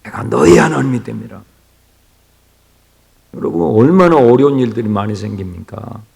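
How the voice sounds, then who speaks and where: Gravelly-voiced pastor preaching in a church. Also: male voice, mid-range voice, moderate pace. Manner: swings from hushed near-whispers to loud exclamations; asks the congregation questions. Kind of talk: early-morning sermon. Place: church sanctuary. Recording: reverberant church hall.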